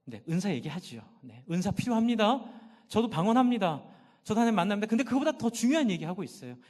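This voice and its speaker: High-voiced male pastor in a reverberant church. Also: very animated, fast talker, darkish tone. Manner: impassioned, asks and answers own questions. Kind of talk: sermon. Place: church sanctuary. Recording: long hall reverb.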